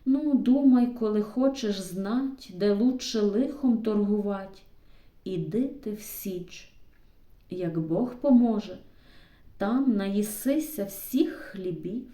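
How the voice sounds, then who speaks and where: Woman reading old Cossack dad, wise, tired, slow fatherly advice, dark low tone. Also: reverberant, far from the mic, close to an everyday voice.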